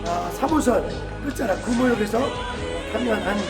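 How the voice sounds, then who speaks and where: A man with a very high voice preaches and announces over a PA system, filling pauses with long drawn-out "ah"s. His voice rings through an echoey church hall while music plays underneath. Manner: preachy, frequent drawn-out "ah" fillers. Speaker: pastor.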